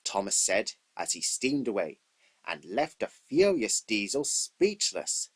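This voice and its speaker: A man's voice: fairly low pitch, sing-song, takes it slowly, husky. A man reading scripted narration for a children's train story as its storyteller.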